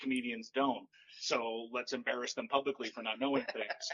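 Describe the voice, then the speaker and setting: In a deadpan tone with an American accent, the speaker talks at a fairly quick pace. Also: man. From Indiana, US Midwest. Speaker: comedian. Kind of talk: casual chat.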